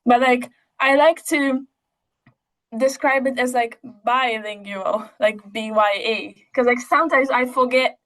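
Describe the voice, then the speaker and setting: Unhurried and a bit bright, a high-voiced young Polish woman keeps a steady tone as she chats through casual interview answers. Polish is her first language, she studies biochemistry, and her informal talk is full of asides. The audio quality is poor.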